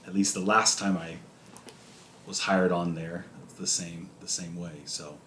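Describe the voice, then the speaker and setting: A man with a very low voice co-hosts a casual podcast, often letting his sentences trail off into quiet fillers. The room is echoey and a faint hiss of noise sits under him. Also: flat delivery, unhurried. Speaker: podcast co-host.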